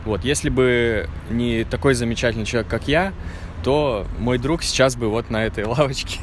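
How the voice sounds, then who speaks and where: A man's voice: medium pitch, normal speed, a little hiss or hum. A man hosting a casual outdoor chat, speaking fluently and explaining things to viewers. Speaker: host. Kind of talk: casual conversational video.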